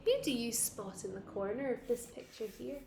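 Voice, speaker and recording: A woman, a primary school teacher, reading a picture book to young children expressively, with dramatic pauses and questions to her listeners. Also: fairly high pitch, gravelly, darkish tone, roomy sound, a little hiss or hum.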